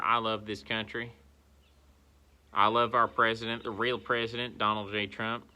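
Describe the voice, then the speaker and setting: A man's voice: mid-range voice, pushed and bright. A man playing a rambling, fired-up older patriot who rants on a phone livestream outdoors, bombastic and self-interrupting. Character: rambling older male pro-Trump patriot, fired-up and muddled. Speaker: satirical livestream ranter. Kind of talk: comedic satire rant.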